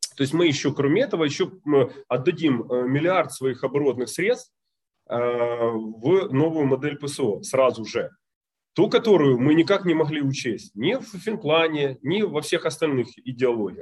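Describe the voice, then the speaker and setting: A man with a normal speaking voice talks at a fairly slow pace, his fairly high pitch carrying lively intonation. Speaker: energy company executive. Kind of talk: panel discussion. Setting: video call.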